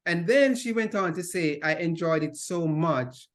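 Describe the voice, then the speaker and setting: A man's voice: a little high, animated, unhurried. A middle-aged man from Jamaica with a Jamaican accent, a guest talking through his work with hesitant fillers and restarts. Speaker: conference director, guest. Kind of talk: interview conversation.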